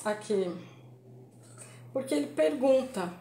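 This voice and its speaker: Animated young woman reviewing a book. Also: high voice, slow pace. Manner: animated, laughing, stumbles while hunting for passages. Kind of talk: casual book review chat. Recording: roomy echo.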